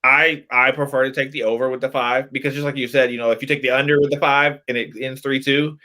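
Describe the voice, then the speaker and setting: A man co-hosting a podcast remotely, explaining betting picks in a measured, deliberate way. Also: medium pitch, little pitch movement, pushed and bright. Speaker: podcast co-host, joining remotely. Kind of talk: casual betting talk.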